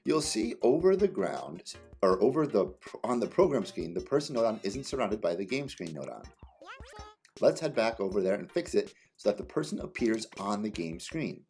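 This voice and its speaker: Male teacher for a game tutorial read-aloud, playful and highly animated, faint music behind. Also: moderate pace. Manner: playful, exclamatory.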